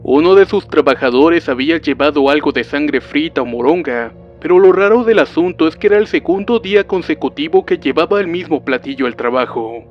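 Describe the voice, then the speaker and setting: A man narrating a witch horror story in a calm, even storytelling voice. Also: a little high, fairly quick, few pauses. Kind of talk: scripted narration. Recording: dull lo-fi sound with faint music.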